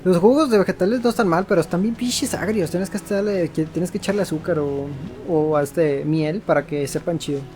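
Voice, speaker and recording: A man's voice: high-pitched, fast, few pauses, a little mellow. A man with a Mexican accent giving casual, slangy and playful commentary on a video game. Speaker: gaming video host. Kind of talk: casual let's-play commentary. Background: faint game music.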